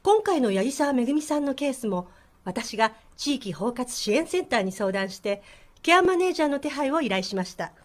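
A woman acting as a medical social worker in a radio drama, explaining services in a clear, polite way. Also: sits high, expressive, a little fast. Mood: explanatory. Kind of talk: scripted explanatory dialogue.

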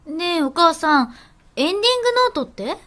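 A woman voicing a curious, sweet young granddaughter in a radio drama, with a high childlike way of asking questions. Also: expressive, quick pace, pushed and bright.

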